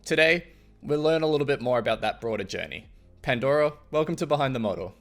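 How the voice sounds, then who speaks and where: Host: man of middling pitch, friendly interviewer, soft music bed. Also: lively intonation, fast talker. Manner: friendly, scripted opening then loose questions. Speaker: show host. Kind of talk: interview hosting.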